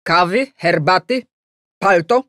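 A woman voicing a male editor-in-chief in an audiobook, an earnest, self-important boss who speaks in a measured, halting, persuasive way. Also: lowish voice, a bit bright, no echo, studio quality. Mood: courteous, portentous.

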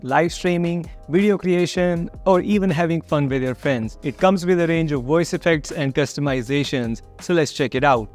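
Talking straight to camera from a dim home studio, a young man with a slightly raised pitch hosts his channel and runs through a software review. He's upbeat and friendly, walking through each step plainly while soft music plays faintly underneath.

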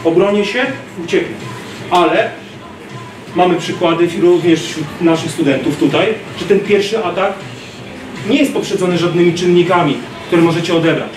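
A man in his thirties giving an animated self-defense lecture to a class, acting out street scenes, filmed by a distant camera in a large gym. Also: sits high, normal speed, music in the background. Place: large gym hall, indoors. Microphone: far camera. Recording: roomy gym echo from far off.

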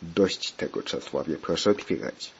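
A man's voice: deep voice, expressive, unhurried, gravelly, full character voice. A man voicing a scolding, insistent male pirate friend, on a dull lo-fi recording with faint hiss.

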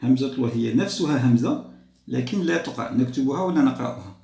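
A man teaches a primary-school grammar lesson, repeating words slowly and patiently. His voice is mellow and gravelly, with a noticeable roomy echo. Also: mid-range voice, expressive.

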